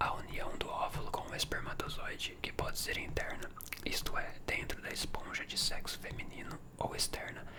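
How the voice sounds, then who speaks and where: Whispering from a woman at a moderate pace, with noticeable background noise behind it. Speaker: ASMR creator. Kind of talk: science magazine read aloud, relaxing ASMR. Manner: whispered, soft.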